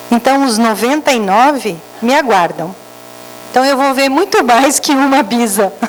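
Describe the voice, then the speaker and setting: Over noticeable background noise, a woman with a high pitch talks at a fairly slow pace, her intonation lively and her loudness very even. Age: 60s. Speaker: spiritist speaker. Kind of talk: religious lecture.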